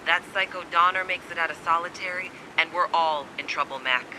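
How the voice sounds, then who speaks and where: A man's voice: fairly high pitch, brisk, noisy background, lightly acted. A man playing a wary, secretive survivor in a video game, terse, guarded and cynical, with blunt urgency. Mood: urgent. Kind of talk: dramatic video game acting.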